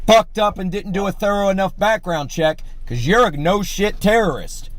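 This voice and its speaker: A man berates the people he is confronting, swearing and stressing each word. His voice sits a little above the usual pitch for a man. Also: no room sound. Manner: profane, berating, slow and emphatic. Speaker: host. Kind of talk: heated confrontation on a call.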